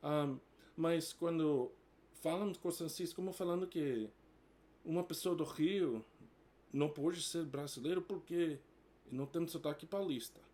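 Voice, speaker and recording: A man from New York, a native English speaker, mostly neutral American accent, talking casually in halting learner Portuguese and plain English. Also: fairly high pitch, darkish tone. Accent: mild New York, mostly neutral American. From United States (New York). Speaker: vlogger. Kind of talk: casual bilingual vlog explaining.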